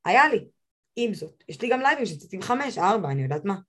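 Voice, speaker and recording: A young woman, a guest on a podcast, talking in a casual and emphatic way, her voice rising high when she gives advice. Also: sing-song. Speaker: podcast guest, social media expert.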